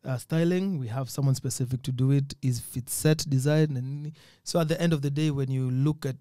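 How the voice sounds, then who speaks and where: A man from Kenya and Uganda, a musician guest on a podcast, talking casually in a relaxed, hesitant way with frequent laughs. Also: medium pitch, brisk, no echo, studio quality.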